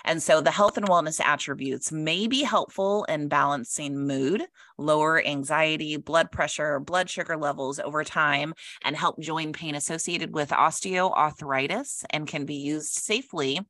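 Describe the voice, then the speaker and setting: A woman's voice: low-pitched, fairly even intonation, a little slow, fairly bright tone, no echo. A woman co-hosting a casual podcast from home, reading product notes aloud and chatting with a giggle. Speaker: podcast co-host. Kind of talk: casual chat. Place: home with cats. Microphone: own microphone.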